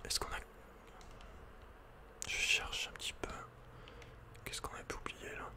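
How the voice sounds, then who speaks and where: A man with a French accent whispering casual, intimate ASMR video game commentary in a breathy, unvoiced voice, speaking informally to the listener. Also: unhurried, bright, forceful tone. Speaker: ASMR gaming host.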